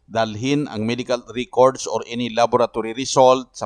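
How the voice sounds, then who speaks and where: A man speaks in a normal speaking voice at a medium pitch and a fairly slow pace. The recording is very clean with a silent background, and the sound is dry and close with no echo. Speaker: radio health program host. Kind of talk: radio program presenting. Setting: radio studio.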